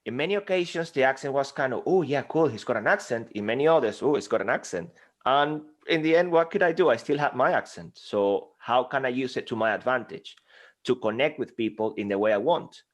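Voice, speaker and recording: An animated man speaking English with a Venezuelan Spanish accent, his first language being Spanish. He talks as a guest coach in an interview at a desk microphone, passionate and lively, slipping into quick acted exchanges to make a point. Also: medium pitch. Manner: animated, passionate, acts out dialogues. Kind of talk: energetic interview conversation.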